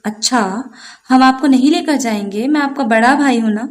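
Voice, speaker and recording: A woman voicing a calm, caring young man who coaches a team and acts as an older brother, speaking gently. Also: fairly high pitch, natural voice. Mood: gentle.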